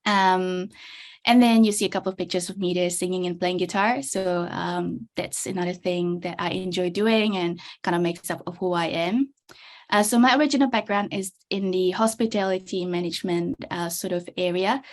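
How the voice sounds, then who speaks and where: A woman's voice: on the low side, moderate pace. A young woman from the Czech Republic presenting her career story in a chatty webinar talk. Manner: chatty, many fillers and restarts. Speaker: webinar speaker, business analyst. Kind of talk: presenting over shared slides.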